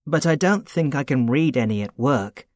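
Male actor as a young man hunting for part-time work; plain and steady delivery, middle pitch, dry studio. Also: normal speed, no room sound, natural voice. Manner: plain, steady, matter-of-fact. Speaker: student character in a listening test. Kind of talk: scripted exam dialogue.

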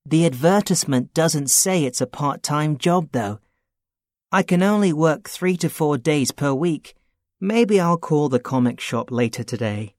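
A man playing a young man looking for a part-time job, talking in a plain, steady, matter-of-fact way in a scripted dialogue. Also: a little high, a little slow, no echo, clean studio sound. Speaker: student character in a listening test.

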